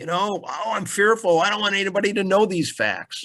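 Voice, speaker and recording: A man speaks with a high-pitched voice. His pitch varies in an ordinary way. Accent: Midwestern. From US Midwest, Chicago. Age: 70s. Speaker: keynote speaker, management accounting expert. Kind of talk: webinar lecture. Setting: online webinar. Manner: conversational, informal.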